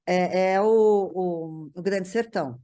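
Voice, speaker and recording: Brazilian woman reminiscing haltingly. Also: on the low side, dark tone. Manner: halting, repeats words as she searches. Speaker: interview guest. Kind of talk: casual reminiscing conversation.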